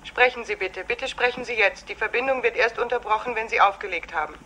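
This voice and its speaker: An actress voicing a formal, polite automatic answering machine announcement, played back from tape. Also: female voice, a little high, quick pace, sharp tone, slight background noise. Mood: formal announcing. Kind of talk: recorded announcement.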